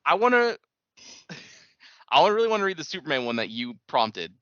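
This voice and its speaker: Bright, animated man chatting, dry lo-fi audio. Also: fairly high pitch, fairly quick, no echo. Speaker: podcast co-host. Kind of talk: casual chat.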